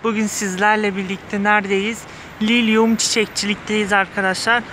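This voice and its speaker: Slightly muffled behind a face mask, a vlogger whose voice sits high gives viewers gushing, enthusiastic casual commentary. He's on the street pavement outside a flower shop, filmed with a handheld phone behind the camera, and the background carries passing cars and outdoor urban ambience.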